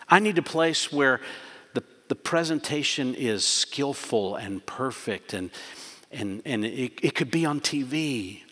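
A man's voice: medium pitch, a bit bright. A middle-aged man preaching earnestly from a church pulpit, closing with a prayer. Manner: earnest, emphatic preaching with repeated phrases. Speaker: pastor. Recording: long church hall reverb.

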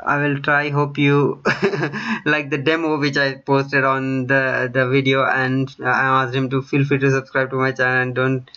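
A man's voice: mid-range voice, little pitch movement, a little slow, sharp tone, muffled recording. A man in his thirties with a mixed Indian and British accent, chatting casually to his channel while reading viewer comments, with lots of ums and restarts. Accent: Indian with British mix. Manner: chatty, many ums and self-corrections. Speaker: tech YouTuber. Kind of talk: casual screen-share vlog reading comments. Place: small room at home, indoors.

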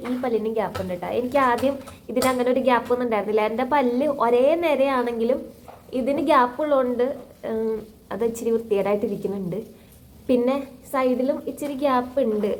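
High-voiced young Keralan woman vlogging at home. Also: a little mellow, slight background noise. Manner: chatty, sing-song baby talk with her toddler. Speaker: vlogger and mother. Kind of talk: casual home vlog chat. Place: home on a rainy day. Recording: home recording with faint rain ambience.

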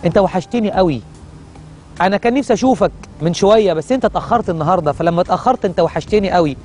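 A man's voice: high-pitched, rapid-fire, darkish tone, soft background music, close to an everyday voice. A man with an Egyptian Arabic accent voicing a devoted male servant who pleads tenderly and misses his master. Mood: longing.

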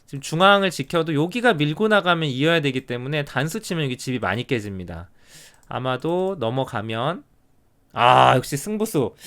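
A middle-aged man commentating live on an online Go game. He mutters counts of territory quietly, then breaks out in lively surprised remarks. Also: a little high, smooth. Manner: counts territory under his breath, then exclaims at turns.

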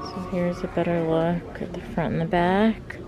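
Chatty young woman, flat low voice. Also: unhurried. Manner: chatty, lots of "like" fillers. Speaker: fashion vlogger. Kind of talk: casual shop-with-me narration. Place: clothing store indoors. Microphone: handheld phone camera. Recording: background music playing over voice.

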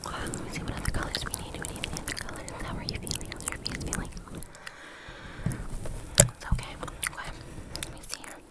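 A young adult woman performs a whispered role-play as a face painter. Her voice is a soft, breathy whisper with no tone behind it, delivered close to a studio microphone. Tingly, wet ASMR mouth sounds sit between her short phrases. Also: a little fast, long pauses. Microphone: close studio mic with fluffy windscreen.

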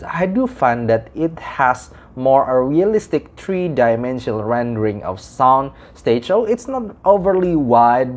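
A young man gives a casual product review to camera, in halting, repetitive phrasing. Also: mid-range voice, darkish tone. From Indonesia. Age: young adult. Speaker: audio gear reviewer. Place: small room indoors.

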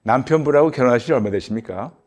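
A middle-aged man, a pastor hosting a counseling interview, asking probing questions on a dark studio set. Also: mid-range voice, expressive, rapid-fire. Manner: probing, with frequent short acknowledgments. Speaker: pastor and host.

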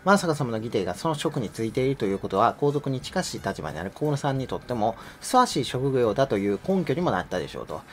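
Fast, sarcastic male commentator. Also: mid-range voice, big pitch swings, a little hiss or hum. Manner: sarcastic, mocking, conversational. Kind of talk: casual commentary video.

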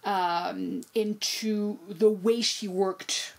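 A woman's voice: medium pitch, extremely slow. A middle-aged woman whose first language is French, talking animatedly as a guest over a video call from home. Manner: animated, expressive, repeats words when excited. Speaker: guest, poet and translator. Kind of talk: casual conversational interview. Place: home room with bookshelves.

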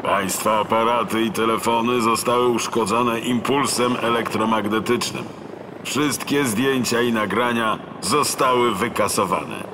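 A man voicing a burly, hoarse government agent in an audiobook, giving authoritative orders through a megaphone. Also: on the low side, unhurried, background noise. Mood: menacing. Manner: barking, authoritative. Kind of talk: audiobook character voice.

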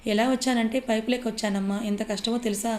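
A woman's voice: a little high, steady tone, fast talker, a little mellow, slight background noise, natural voice. A woman voicing a playful, teasing young man in love, reading him in a storybook style. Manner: cheeky, teasing.

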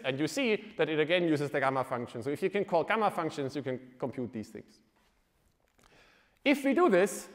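A man giving a university lecture in a large hall, explaining informally with wry asides and quick self-corrections. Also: fairly high pitch, a bit bright. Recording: long lecture-hall reverb.

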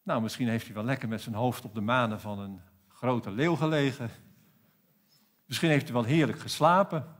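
This South African-accented pastor preaches in a church at a normal speed, his male voice medium in pitch. He's emphatic and asks plenty of rhetorical questions.

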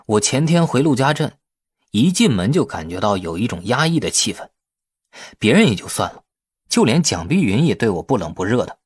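A man playing a cocky husky-voiced businessman. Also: on the low side, very animated, brisk, dry recording. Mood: aggrieved. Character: cocky, teasing young businessman bantering with his lover.

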